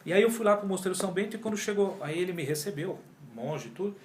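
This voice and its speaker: A man's voice: sits high, quick pace, a little hiss or hum. A man, telling his story as an interview guest, acting out past conversations and using lots of slang. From Brazil. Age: 40s. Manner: animated storytelling, acts out his own past dialogue, heavy slang. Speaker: yoga teacher, interview guest. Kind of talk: casual interview chat. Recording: echoey room with faint ambience.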